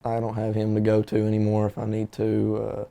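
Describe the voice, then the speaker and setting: A young man from Kentucky in an interview, speaking in a halting, soft-spoken, grieving way. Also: fairly low pitch, completely flat delivery, gravelly. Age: young adult. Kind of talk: emotional interview.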